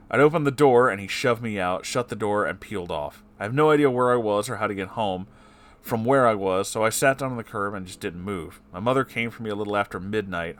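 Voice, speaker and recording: A man with a fairly low voice reads a long personal story aloud to his channel. Between passages he breaks off into blunt, swearing asides and sighs before picking the reading back up. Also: fairly bright tone.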